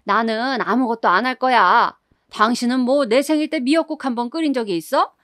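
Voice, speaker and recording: A woman voicing a grumpy, sharp-tongued older mother-in-law who scolds and complains, raised a little above her narrating voice, in a storybook radio drama. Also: on the high side, a little fast, dry recording, clean studio sound, close to an everyday voice. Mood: grumbling.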